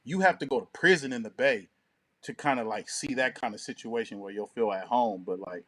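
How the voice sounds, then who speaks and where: A man's voice: mid-range voice, a little fast, fairly bright tone. A man co-hosting an online show, chatting casually with heavy slang.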